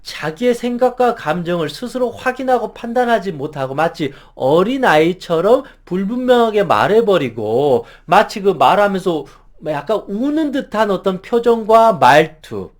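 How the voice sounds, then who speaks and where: Emphatic middle-aged male lecturer. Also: sits high. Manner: earnest, emphatic, acts out example phrases. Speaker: counselor and lecturer. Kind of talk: advice lecture to camera.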